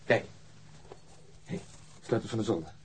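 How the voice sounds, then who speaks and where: An actor playing a stern, methodical police investigator in a radio drama, curt and matter-of-fact, with a rough husky voice. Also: male voice, lowish voice, measured pace. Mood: businesslike. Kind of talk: naturalistic Dutch radio drama acting.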